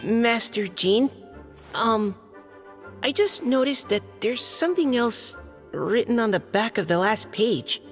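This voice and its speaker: A man's voice: very high-pitched, lively intonation, slow pace, fairly bright tone, big-room sound, full character voice. A man playing a young knight who reads a letter aloud formally, with slight hesitations, in a game. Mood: earnest. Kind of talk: game voice acting. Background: game music.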